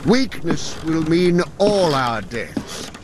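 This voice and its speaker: An actor playing a stern Roman tribune of about fifty in a historical audio drama, clipped and authoritative. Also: male voice, on the high side, expressive, takes it slowly, background noise. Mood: stern, commanding. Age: 50s.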